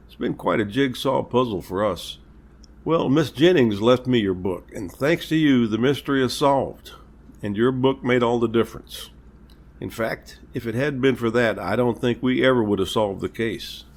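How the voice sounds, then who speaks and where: A man playing a polite, reassuring police captain, speaking in a measured, earnest way in an amateur audio drama. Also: mid-range voice, creaky, natural voice. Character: courteous, reassuring male small-town police captain.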